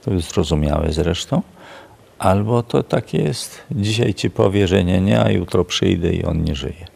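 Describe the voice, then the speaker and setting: An older man with a very gravelly, husky and deep voice tells stories from his years as a prison chaplain. He speaks slowly and reflectively, with a low, rasping tone. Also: lively intonation, darkish tone. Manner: unhurried, reflective storytelling. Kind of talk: storytelling in a radio interview.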